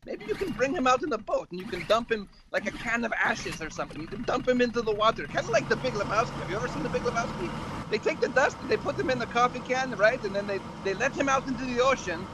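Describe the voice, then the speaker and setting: A man playing a chatty, scatterbrained skeleton dad who hosts a comedy show, rambling excitably, repeating phrases and tagging sentences with "right?". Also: very high-pitched, quick pace, noisy background. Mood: chatty, eager. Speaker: show host. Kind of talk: improvised comedy skit banter.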